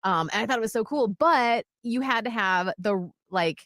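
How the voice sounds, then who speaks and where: A woman in her forties co-hosting a radio show, chatting casually and telling animated stories. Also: moderate pace, dry recording, studio quality. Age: 40s. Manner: animated storyteller, jumps into high voices for quotes. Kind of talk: casual chat.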